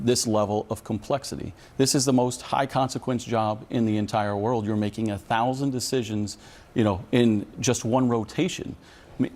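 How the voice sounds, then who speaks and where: Speaking in a mid-range, slightly mellow voice, this middle-aged American man represents air traffic controllers as a union leader. He responds to a news interviewer with earnest emphasis.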